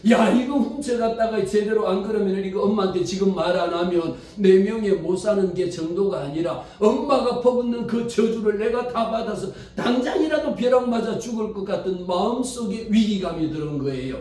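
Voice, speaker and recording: A man's voice: high voice, moderate pace, hardly any pauses, dark tone, close to an everyday voice. A man voicing a frightened son who anxiously confesses a theft, recorded from afar in a very echoey hall. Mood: scared. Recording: far mic in very echoey hall.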